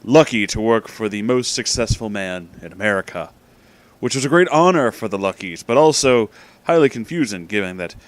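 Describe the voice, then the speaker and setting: Low-voiced man, casual and emphatic. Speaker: host reading fan fiction aloud. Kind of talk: casual comedic storytelling.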